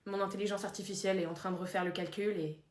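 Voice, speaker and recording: Soft-spoken teen genius inventor, low and hushed, a woman acting it. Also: fairly even intonation, fast, roomy sound, natural voice. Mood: earnest. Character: quiet earnest young genius inventor.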